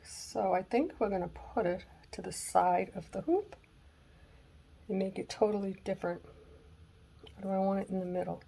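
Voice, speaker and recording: A woman with a raspy voice hosting a casual craft tutorial at home, thinking aloud and sometimes dropping to a whisper as she works. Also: medium pitch, normal speed, long pauses, dark tone. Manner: chatty, thinking aloud while working, drops to whispers. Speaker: craft channel host. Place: home craft room on a gray day. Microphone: camera mic, moves close and away while working.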